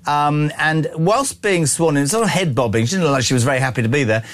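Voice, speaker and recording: A man's voice: on the high side, fast talker, fairly bright tone. A man hosting a radio phone-in show, chatting casually with plenty of fillers and hesitations. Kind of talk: casual talk radio chat.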